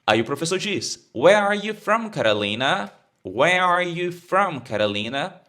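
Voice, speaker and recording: A Brazilian man with a Brazilian Portuguese accent who teaches English, repeating phrases slowly for learners to copy. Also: on the high side, very animated, sharp tone. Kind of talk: explaining an English lesson.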